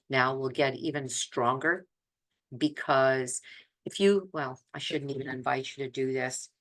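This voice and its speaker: An older woman hosts a casual health vlog. Her voice sits unusually low for a woman and has a bright, crisp edge. She talks in an earnest, emphatic way, often repeating a word to stress it. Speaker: health vlogger. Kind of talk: casual, chatty talk to viewers.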